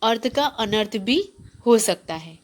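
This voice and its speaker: A woman teacher gives schoolchildren a grammar lesson, reading textbook passages aloud and then explaining them. Her fairly high voice has lively intonation and she takes it slowly. After explaining, she repeats points as questions to the class, with slight background noise audible.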